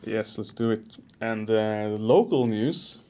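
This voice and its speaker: A man's voice: on the low side, takes it slowly, warm tone, smooth. A man co-hosting a podcast in English, chatty and full of restarts, laughing often. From Norway. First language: Norwegian. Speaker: podcast co-host. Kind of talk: casual chat.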